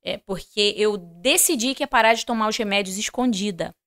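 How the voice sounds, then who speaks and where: A woman's voice: mid-range voice, normal speed, fairly bright tone. A woman, a podcast guest telling her faith testimony, who acts out the dialogue she quotes and speaks straight to the listeners. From Rio de Janeiro, Brazil. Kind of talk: personal faith testimony in conversation.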